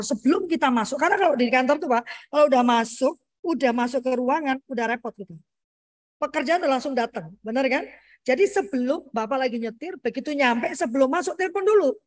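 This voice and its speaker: In a relaxed interview, a high-voiced, middle-aged woman talks about parenting as a guest, explaining things with lively energy. She addresses the host as "Pak" and frequently wraps up her thoughts with "gitu ya."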